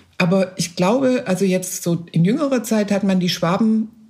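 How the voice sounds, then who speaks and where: A woman speaks with a dark, mellow tone that is somewhat breathy. She keeps a moderate pace with lively intonation. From Swabia, southwest Germany. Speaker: journalist, political correspondent. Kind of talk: interview.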